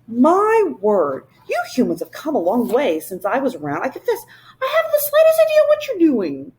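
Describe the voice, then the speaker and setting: A high, lisping storybook creature king, old and male, gushing and chattering with nervous excitement, as a woman puts him on. His voice leaps all over the place, sailing far above an ordinary speaking voice. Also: normal speed.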